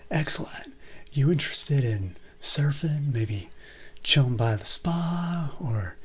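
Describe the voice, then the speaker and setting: A young man acts out a laid-back Californian resort manager in a comedy ASMR roleplay. His voice is very breathy and whispery, soft and close to the mic. He talks in drawn-out surfer slang with an eccentric, easygoing temper. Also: mid-range voice. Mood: welcoming, chill. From California, United States. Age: young adult. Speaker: ASMR performer.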